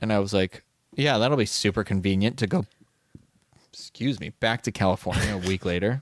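A man's fairly low voice with ordinary pitch variation and long, frequent pauses, over a quiet background. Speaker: podcast host. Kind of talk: casual chat. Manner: rambling, hesitant with many fillers.

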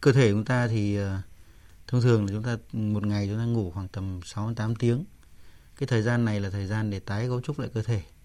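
A man with a fairly low pitch and a dark, mellow tone speaks at a moderate pace with fairly even intonation over a quiet background. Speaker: doctor. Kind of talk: radio call-in health advice. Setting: studio.

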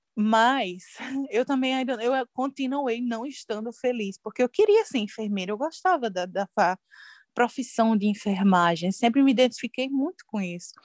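A woman speaks in a normal speaking voice at a fairly high pitch and fairly slow pace. The recording is very clean with a silent background and a dry, close sound with no echo. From Brazil, Paraíba (Campina Grande). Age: 30s. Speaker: emergency nurse. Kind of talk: interview.

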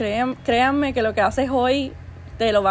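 Noticeable background noise sits behind a woman's voice. She talks at a moderate pace with a fairly high pitch. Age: 20s. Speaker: podcast host. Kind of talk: solo motivational monologue.

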